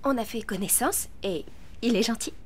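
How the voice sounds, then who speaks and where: A woman's voice: on the high side, moderate pace, a little hiss or hum, lightly acted. An actress dubbing a young woman film star who hides her fame, talking in an evasive, playful way. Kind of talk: French dub of a TV film.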